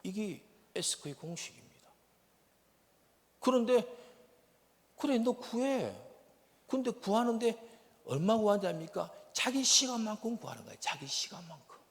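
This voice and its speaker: A man with a Gyeongsang accent preaching a sermon as a missionary, shifting from loud bursts to hushed whispers. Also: high-pitched, animated, moderate pace. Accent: Gyeongsang Korean. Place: church sanctuary. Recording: long reverb of a church hall.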